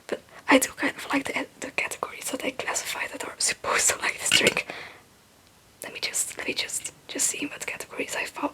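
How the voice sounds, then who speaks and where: A young woman, a native Dutch speaker, whispering breathily in a rambling, halting, casual ASMR chat. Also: high-pitched, vocal fry, pushed and bright, low-quality recording. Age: young adult. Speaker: ASMR video creator.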